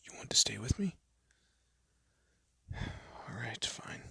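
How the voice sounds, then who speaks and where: A man playing a haughty but secretly soft young elf prince in a scripted roleplay audio drama, with a pompous, formal manner and a breathy, often hushed voice. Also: slow, dry recording, whispered. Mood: urgent, curt. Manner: pompous, formal, flustered stammering.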